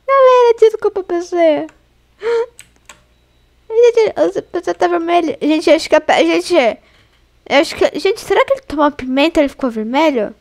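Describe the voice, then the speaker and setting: A young woman with a Brazilian Portuguese accent talks her viewers through an online game. Her voice sits high and bright, and she is excitable and chatty, often squealing and laughing. It sounds like a desk mic at her computer. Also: moderate pace, slight background noise. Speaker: gaming YouTuber. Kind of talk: excited gameplay commentary.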